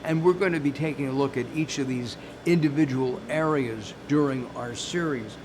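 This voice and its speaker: Friendly male interview host, noisy recording. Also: medium pitch. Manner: friendly, teasing, halting with "uh". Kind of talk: hosted interview.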